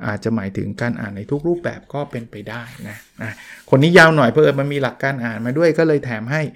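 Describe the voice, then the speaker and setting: A man in casual talk about books and reading, relaxed and chatty, with fillers and asides. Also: medium pitch, creaky. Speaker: book commentator.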